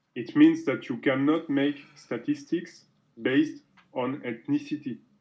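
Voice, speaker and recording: Speaking fairly slowly, a man talks with a French accent. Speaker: political commentator. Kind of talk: interview conversation. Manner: halting, searching for words.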